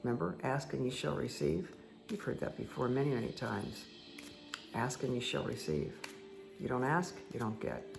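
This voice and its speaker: A woman with a croaky voice giving a casual, chatty tarot card reading that speaks directly to the listener. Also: very deep voice, moderate pace. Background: background music.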